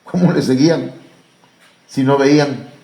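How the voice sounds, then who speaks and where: A man with a Mexican Spanish accent preaching a sermon as pastor, pausing on fillers and rising to emphatic high calls. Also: gravelly, mellow. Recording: echoey church room.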